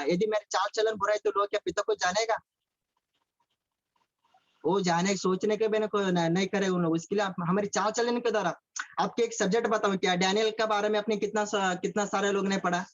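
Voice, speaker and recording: A man preaching a sermon over a video call, repeating phrases, asking his listeners questions and mixing in English words. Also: high-pitched. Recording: dull lo-fi call audio.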